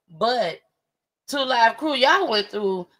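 A woman speaks at a fairly slow pace with a fairly high pitch and vocal fry. Her pitch swings very widely against a quiet background. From US Midwest. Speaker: show host. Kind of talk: casual interview. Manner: animated. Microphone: studio mic.

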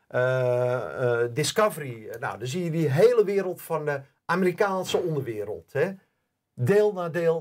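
Against a quiet background, a man speaks fairly slowly with a fairly high pitch and lively intonation. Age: 60s. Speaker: documentary filmmaker; guest. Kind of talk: interview. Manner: halting, many hesitations; animated. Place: studio.

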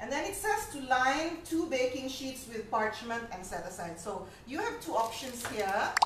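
A woman's high-pitched voice with very wide pitch swings at a fairly slow pace, amid audible room echo and noticeable background noise. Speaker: presenter. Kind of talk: tutorial. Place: kitchen.

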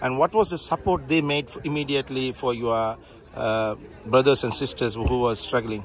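Against light background noise, a man with a Tamil accent speaks at a moderate pace with ordinary pitch variation in a dry sound with no echo. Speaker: YouTube vlogger doing street interviews. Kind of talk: street interviews. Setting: outdoors on the street. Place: street. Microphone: phone near.

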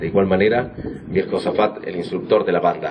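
Noticeable background noise runs throughout. A man is talking. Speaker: ceremony announcer. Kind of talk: formal announcement. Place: street. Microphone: pa.

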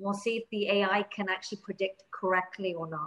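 With an English accent, a woman talks at a moderate pace in a medium pitch and a monotone, flat intonation. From England. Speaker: teacher and AI educator; teacher, AI educator. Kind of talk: teacher training webinar presentation. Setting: video call with screen sharing. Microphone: webcam.

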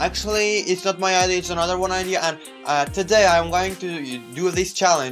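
Faint music plays in the background as the speaker talks at a fairly quick pace with fairly even intonation. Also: man, high pitch for a man. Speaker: youtuber. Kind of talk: casual vlog chat. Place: home room.

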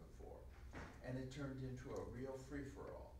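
Male speech with audible room echo and noticeable background noise. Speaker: guest, journalist. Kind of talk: lecture. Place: classroom. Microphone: camera far.

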